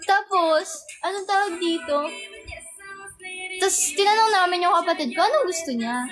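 A young woman with a very high, girlish voice chats casually on a livestream, rambling through a story and giggling often. Music plays clearly behind her as she talks. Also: moderate pace, fairly bright tone. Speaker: livestream host. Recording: music playing in the background. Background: background music.

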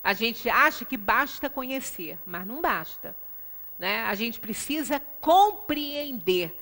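Her voice a little high and bright, with big pitch swings, a middle-aged Brazilian woman speaks slowly while lecturing at a Spiritist center. The religious lecture is explanatory and conversational, emphatic, with frequent rhetorical tag questions. A distant microphone records it in a small, reverberant indoor lecture room.

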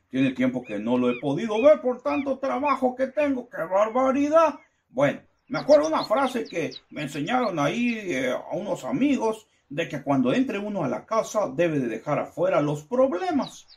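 A worn-out, grumbling cartoon dad, put on by a woman who pushes her voice way down. He talks, sighing and muttering exclamations, and his pitch still swings about in a lively way. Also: slight background noise. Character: weary middle-aged father and office worker, grumbling but kindly. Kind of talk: animated cartoon skit.

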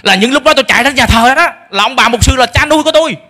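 With a very high, sharp voice racing along, a middle-aged Vietnamese man preaches as pastor. He is emphatic throughout and alters his voice to play out what parents complain about.

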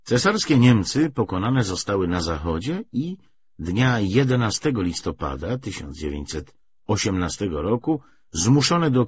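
Male audiobook narrator, low pitch, animated melody, measured literary delivery, muffled recording. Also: husky, no echo. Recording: dull, slightly muffled lo-fi audio.

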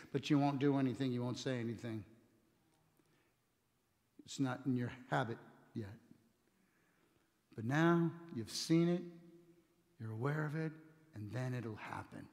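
A man's voice: medium pitch, gravelly, a little mellow. A middle-aged man preaching a sermon in a conversational, earnest way, often restarting his words, on a church stage. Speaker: pastor. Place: church stage with communion table. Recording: long hall reverb.

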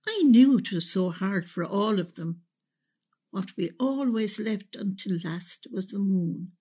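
An Irish mother in a radio play monologue. She speaks slowly and tenderly in a husky voice that rises and falls expressively, proud and reflective as she tells her memories. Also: mid-range voice, animated, dark tone.

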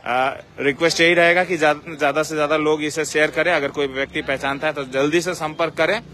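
A man giving a halting, repetitive live news appeal in formal address, recorded outdoors on a phone in a market street. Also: fairly high pitch, steady tone, bright, forceful tone. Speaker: local news reporter. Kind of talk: live street report, unscripted public appeal. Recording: street noise around handheld phone recording. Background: street ambience and vehicles.

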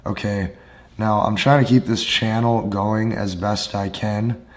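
A man in his thirties with a hoarse, nearly lost voice, speaking slowly and deliberately as a dating coach addressing the camera indoors. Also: fairly low pitch, fairly even intonation. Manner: slow deliberate delivery with emphatic hand gestures. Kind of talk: direct-to-camera advice talk. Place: indoor studio with lit brick wall.

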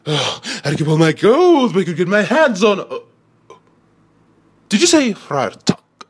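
A man's voice: high voice, sing-song, a little slow, breathy edge, heavily acted. A man voicing a scheming, petulant lion prince from a cartoon, theatrical and pompous. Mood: gloating, scheming. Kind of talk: cartoon voice impression.

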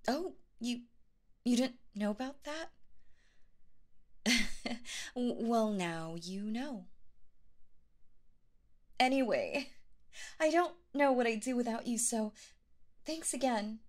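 A woman's voice: fairly high pitch, animated, slow, pauses often. Stammering, clingy yandere girlfriend. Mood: stammering sweet.

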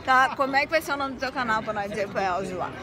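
A woman talks in a playful, teasing vlog chat, her voice sitting a little high. She is recorded on a phone held at arm's length in a busy airport, with loud crowd chatter all around. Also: animated, rapid-fire. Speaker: vlogger. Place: busy airport waiting area. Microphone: phone camera at arm's length.

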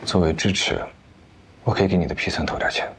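A wealthy investor in his thirties, rational and self-possessed. His voice is low and deliberate, in natural TV drama dialogue with light room noise behind. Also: a bit bright. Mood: calm, assured. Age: 30s. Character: composed, confident wealthy investor, rational and devoted.

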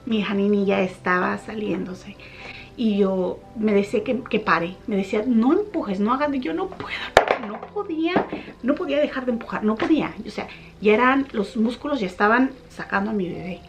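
A young woman vlogger casually telling a personal story to her viewers, animated when she retells what people said. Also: medium pitch, moderate pace, gravelly, lo-fi sound, faint music behind.

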